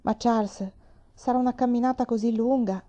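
A woman reading the lines of a gentle, worried pioneer mother in a storybook, with soft, anxious pleading. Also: fairly high pitch, steady tone, moderate pace, voice pushed up, lightly acted.

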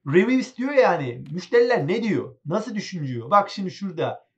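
A man chatting excitably as he plays a game, talking to his viewers and to the game characters. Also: high voice, a little fast, dull audio. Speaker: gaming channel host. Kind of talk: casual let's-play commentary.

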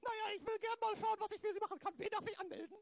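A man's voice: extremely high pitch, rapid-fire, gravelly, no room sound. A man playing a chatty, flustered older female receptionist in an improvised radio play, rambling and repeating herself.

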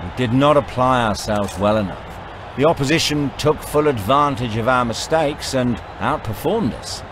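An actor playing a determined, encouraging cricket team coach in a video game, speaking in emphatic, rehearsed lines. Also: male voice, mid-range voice, normal speed, noisy background, close to an everyday voice. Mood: composed, confident. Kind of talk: scripted motivational speech and press answers. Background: music.

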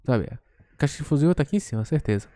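A man's voice: medium pitch, lively intonation, fast, dark tone, a little hiss or hum. A man playing a horror game with a friend, urgently repeating orders and guiding his partner. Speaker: gamer host. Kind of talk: frantic horror game co-op chat.

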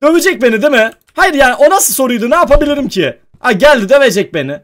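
A man's voice: very high-pitched, big pitch swings, fast talker. A young man doing casual let's-play commentary, talking to his viewers and yelping when he gets scared. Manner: jumpy, talks to viewers, yelps when scared. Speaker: gaming YouTuber.

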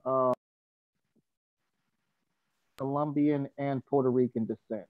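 A man from Miami on a group call, speaking in a hesitant, unhurried way. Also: medium pitch, steady tone, no room sound, narrow, tinny audio. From Miami, Florida. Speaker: guest director.

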